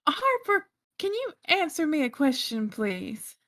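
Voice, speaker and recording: High-voiced, halting woman playing a tabletop game. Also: wildly swooping pitch, fairly bright tone. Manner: halting, repeats words. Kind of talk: casual in-character improvised chat.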